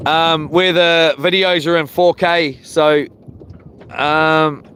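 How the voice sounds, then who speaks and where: A slightly high, somewhat bright male voice with fairly even intonation belongs to a broad-accented New Zealander hosting a fishing livestream from a small boat. He talks slowly, chatting and rambling casually, while the outdoor sounds of the boat and water come through clearly.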